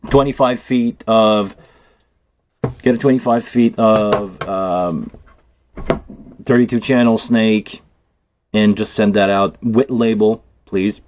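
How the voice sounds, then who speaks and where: A man's voice: fairly low pitch, darkish tone, a little hiss or hum. A man with a Quebec French accent, a native French speaker, hosting a casual livestream and chatting loosely while he works on a cable build. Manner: loose, rambling, thinking aloud while working. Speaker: live stream host. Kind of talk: casual tech livestream chat.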